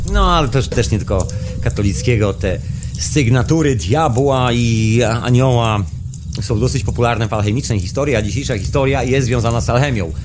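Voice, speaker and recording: With audible room echo and music in the background, a man of medium pitch talks fairly quickly at very even loudness with ordinary pitch variation. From Poland, Wrocław. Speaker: radio host. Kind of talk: solo radio monologue storytelling. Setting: radio studio, seated at microphone. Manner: casual, conversational.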